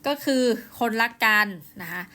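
A woman's voice: moderate pace, bright, forceful tone. A woman hosting a casual book review show, chatting with listeners and briefly acting out the characters' lines. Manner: chatty, acts out quotes, addresses listeners.

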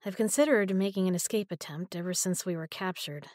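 A woman voicing a frightened prisoner in a sci-fi audio drama, weary and hushed, breaking into frantic pleading when she is left behind. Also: on the low side, brisk, dry recording, studio quality.

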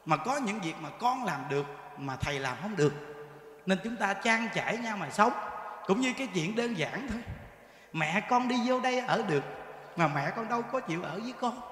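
A man with a Southern Vietnamese accent, a Buddhist monk giving a dharma talk. He tells it as a lively, laughing story and often repeats himself. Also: high voice. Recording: echoey hall.

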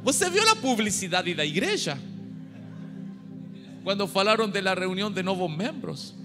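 Chilean guy preaching, spanish creeping into his portuguese, bit high voice, echoey hall w music under. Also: sing-song, moderate pace. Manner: humorous, mixes Spanish into Portuguese, rouses the crowd to shout. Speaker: guest pastor. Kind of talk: sermon. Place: large dark church stage. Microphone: handheld mic. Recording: long hall reverb with music behind.

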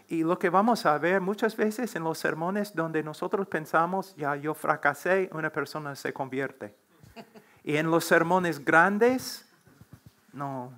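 Slow, earnest man preaching on a panel. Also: on the high side, fairly bright tone. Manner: slow, earnest, preacherly, building to emphatic exhortation. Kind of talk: answering questions on a church panel. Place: church platform, seated before a large wooden cross.

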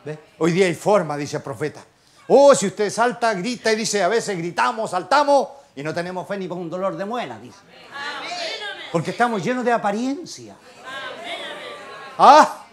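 An older man preaching in a Chilean accent, his voice sitting unusually high for a man. He moves from hushed, confiding asides to shouted exclamations and keeps pressing the congregation with questions. A faint murmur of the congregation sits behind him. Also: expressive, moderate pace, a faint crowd. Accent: Chilean Spanish. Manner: fervent, swings from quiet asides to shouted exclamations. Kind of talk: sermon. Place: church service.

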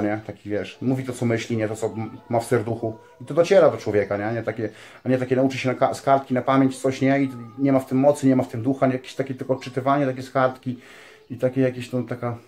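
A man's voice: mid-range voice, steady tone, fast talker, warm tone. A man speaking earnestly in a casual spiritual monologue, rambling with many fillers and tag questions and calling his listeners dear ones. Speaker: religious vlogger.

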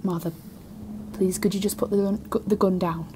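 Woman acting trapped female scientist, desperate, blunt, commanding, mid-pitched, audio drama, clear stormy noise behind. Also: steady tone, moderate pace, dark tone, natural voice. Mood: wary pleading.

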